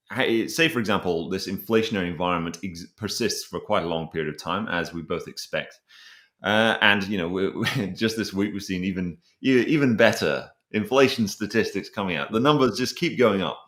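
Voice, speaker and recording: Low-voiced male interviewer in an echoey room. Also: expressive, moderate pace, a bit bright. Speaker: interviewer, host. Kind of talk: casual interview chat. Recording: echoey, roomy sound.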